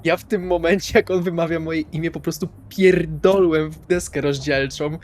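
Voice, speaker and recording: A man's voice: on the high side, fairly even intonation, moderate pace, soft background music. A man describing his character's actions as a player in a tabletop roleplay.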